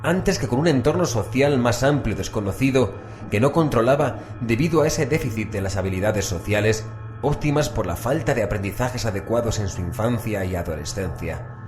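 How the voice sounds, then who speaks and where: A male radio co-presenter from reads a scripted biographical piece. His voice sits fairly low, with faint music underneath. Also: animated, normal speed.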